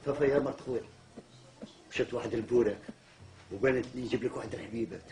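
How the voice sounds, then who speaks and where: A man's voice: medium pitch, racing, darkish tone. A man with an Algerian Arabic accent in a comedy sketch, quarrelsome and protesting. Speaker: comedic actor. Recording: echoey room, distant mic, music.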